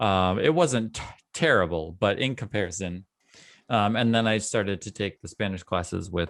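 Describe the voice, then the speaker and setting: A man with an unremarkable speaking voice talks at a moderate pace in a fairly low pitch, with ordinary pitch variation over a quiet background. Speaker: Spanish teacher and teacher trainer. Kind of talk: casual chat.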